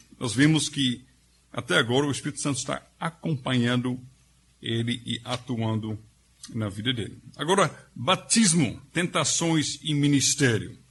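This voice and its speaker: The speaker has a non-native accent and goes at a fairly slow pace. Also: man, medium pitch for a man, ordinary pitch variation. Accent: foreign accent in Portuguese. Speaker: pastor teaching a seminary class. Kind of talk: lecture. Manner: halting, with self-corrections.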